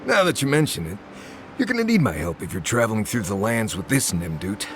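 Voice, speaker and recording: Very deep, grumpy male adventurer. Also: brisk, a little hiss or hum. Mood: gruffly teasing. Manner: deadpan wit, blunt. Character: gruff, grumpy, sardonic male adventuring companion. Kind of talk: video game character acting.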